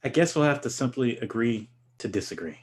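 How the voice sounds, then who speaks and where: A man's voice: medium pitch, very animated, fairly quick, natural voice. A man playing an opinionated, thoughtful music lover, speaking in a considered, intellectual way in a play reading. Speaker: actor in a staged reading. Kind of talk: conversational dramatic play reading.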